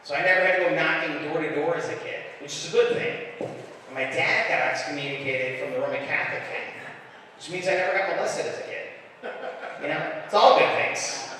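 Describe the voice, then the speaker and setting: A middle-aged man performing an animated stand-up routine, telling stories about his family. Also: fairly high pitch, fairly quick, slight background noise. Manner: animated storyteller, bursts into shouting impressions. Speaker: stand-up comedian. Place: comedy club stage. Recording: echoey club heard from far off.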